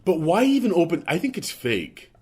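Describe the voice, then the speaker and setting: A man's voice: fairly high pitch, huge pitch swings, normal speed, darkish tone, breathy edge. A man co-hosting a casual podcast, blunt and teasing, with crude jokes. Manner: blunt, teasing, crude, with mocking athlete voices. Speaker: podcast co-host.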